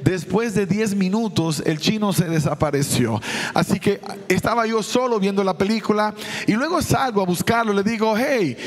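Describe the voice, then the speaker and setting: A man's voice: sits high, moderate pace, big-room sound. A man preaching a sermon as a pastor, telling a personal story and acting out the dialogue.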